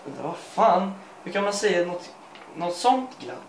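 A man's voice: sits high, slight background noise. A man reading his own school story aloud, rambling with self-mocking asides and laughing at his own writing. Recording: echoey room.

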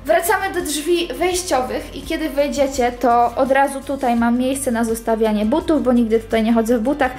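A woman's voice: high voice, moderate pace, hardly any pauses, a little mellow, faint music behind. A woman in her twenties chatting casually as she walks a camera around her small apartment, pointing things out. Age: 20s. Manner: chatty, walking and pointing at things while talking. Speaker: vlogger. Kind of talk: casual house tour vlog. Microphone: handheld camera at arm's length.

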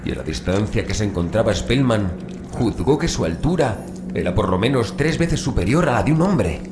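Deep guy reading a scary story, slow dramatic pauses, roomy echo and a bit of noise behind. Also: lively intonation. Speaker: audiobook narrator. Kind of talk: scripted horror story narration.

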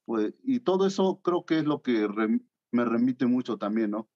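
A man's voice: mid-range voice, animated, moderate pace, muffled recording. A man in his thirties from Oaxaca, answering interview questions in a hesitant way, with many fillers, over a video call from his studio. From Oaxaca, Mexico. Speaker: guest artist. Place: home art studio.

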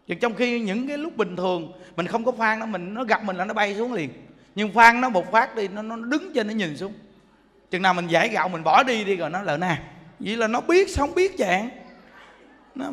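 Speaking in a high-pitched, slightly bright voice, a male Buddhist monk teacher gives a funny sermon full of stories and imitated animal noises. The recording carries a long hall reverb.

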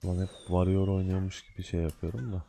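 An adult man with a day job hosts a gaming video, casually narrating his own let's-play in loose, slangy banter and scolding the game in mock annoyance. His voice is low, dark and a little creaky, with little pitch movement and a slightly fast pace. There's slight background noise.

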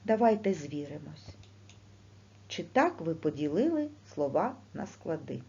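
A woman teaching a primary school lesson, speaking slowly and clearly with questions to the class. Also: low voice. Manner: slow, clear teacher's delivery with lively rising questions. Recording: dull lo-fi recording.

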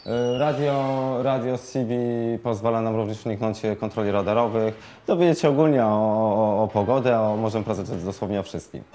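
A man's voice: lowish voice, dark tone, slight background noise. A man giving an unscripted product explanation as a shop expert, hesitating often and repeating words, picked up on a lapel mic. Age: 20s. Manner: halting, hesitant delivery with frequent fillers and repeated words.

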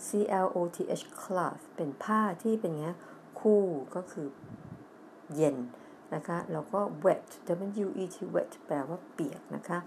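This is a middle-aged woman with a Thai accent who teaches English on a TV lesson. She speaks at a slow, deliberate pace and reads the lines of a children's story aloud before explaining them. She spells words out letter by letter, and a faint hiss sits behind her voice. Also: on the low side, vocal fry, darkish tone.

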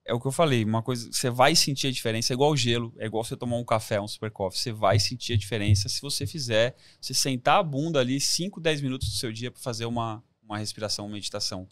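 A man's voice: medium pitch, fast, hardly any pauses, dry recording. A Brazilian man talking informally and enthusiastically as a podcast guest, with plenty of slang. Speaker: podcast guest, amateur triathlete. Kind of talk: casual podcast chat.

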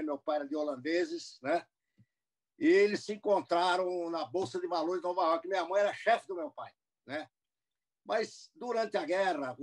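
Older man telling his life story on a video call. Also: a little high. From United States. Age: 70s. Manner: rambling, with many restarts and asides. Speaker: guest businessman. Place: indoor room at home.

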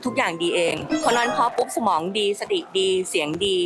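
A woman's voice: medium pitch, a little fast, music in the background. A middle-aged woman, a professional voice actor, giving casual advice in a chatty way, laughing often and repeating words as she thinks. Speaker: professional voice actor answering questions.

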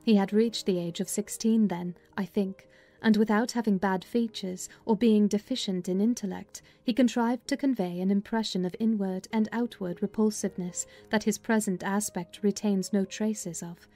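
Woman as plain-spoken housekeeper, mellow tone, measured storytelling, literary audiobook, music behind. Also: medium pitch, fairly even intonation, close to an everyday voice. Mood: measured, candid. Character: plain-spoken housekeeper recounting her late master's family. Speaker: audiobook narrator. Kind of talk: dramatized literary reading.

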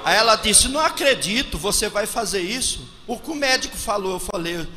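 A Brazilian man in his forties preaching a testimony sermon into a handheld microphone at a pulpit, moving from hushed storytelling to shouted praise. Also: sits high, lively intonation, a little fast. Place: large church hall with congregation. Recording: long church-hall reverb, faint noise.

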